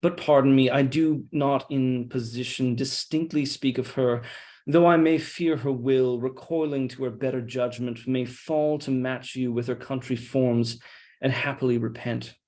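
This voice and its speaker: A man reading a scheming, deferential soldier in Shakespeare, with measured, insinuating, mock-humble delivery. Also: medium pitch, fairly even intonation, a little mellow, lightly acted. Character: scheming deferential soldier feeding his lord's suspicion. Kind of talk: Shakespeare read-along.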